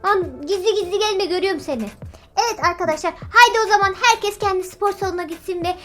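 A woman's voice: very high voice, fast talker, a bit bright, faint music behind. A woman giving playful, chatty commentary on her gameplay as a YouTuber, joking at other players. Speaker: gaming YouTuber.

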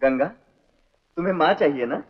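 A man's voice: on the high side, expressive, moderate pace. An actor playing a stern, proud father in a 1960s Hindi film, speaking curtly and with command. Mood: tender. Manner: curt, commanding. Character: stern proud widowed father, short-tempered. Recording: dull old film soundtrack.

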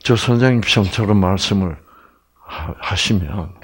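An older man with a deep, slightly rough voice gives a health lecture on stage in a large lecture hall, speaking unhurriedly. He is animated, swinging between exclamations and hushed asides.

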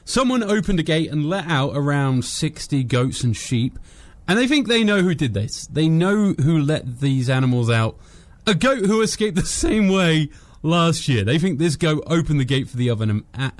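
A man's voice: a little high, expressive, moderate pace, no echo. A young man hosting afternoon music radio with upbeat DJ links, speaking close to a studio microphone. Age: young adult. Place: small padded radio studio. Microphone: close studio microphone on boom arm. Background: music bed.

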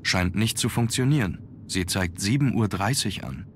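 A man playing a determined young aristocrat in an adventure game, speaking in a measured, formal way. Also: lowish voice, lively intonation, a little hiss or hum, natural voice. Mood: pensive, matter-of-fact. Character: determined young aristocratic man investigating his grandfather's death. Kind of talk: scripted adventure game dialogue.

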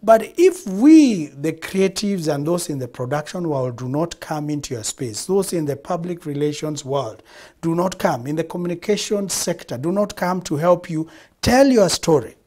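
A man's voice: on the high side, lively intonation, normal speed, dark tone. A middle-aged Kenyan man, a guest on a studio TV interview, speaking expansively and repeating phrases for emphasis. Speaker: guest, founder of a production studio. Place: TV studio set.

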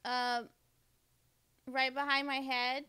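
A woman's voice: high voice, level tone, takes it slowly, pushed and bright, smooth. A young woman hosting a game video, chatting playfully in role-play with giggly, exaggerated reactions. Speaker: gaming video host. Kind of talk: casual role-play chat while gaming.

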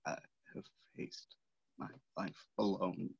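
An actor playing a dying, tormented, lonely Phantom with broken, halting delivery in a staged reading over a video call. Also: male voice, darkish tone, no echo, close to an everyday voice. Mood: weary, dying. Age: middle-aged. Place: small room indoors, video call. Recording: dull video call audio.

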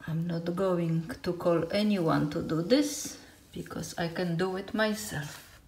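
A woman with a Polish accent talks her way through a home repair job in her own unhurried, simple English, often dropping small words. Her voice sits a little low, and she speaks very slowly. Faint hiss from a phone recording in a small tiled room sits behind her. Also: steady tone, darkish tone. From Poland. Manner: slow, plain, non-native English with dropped words. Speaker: DIY vlogger. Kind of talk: casual home-renovation commentary.

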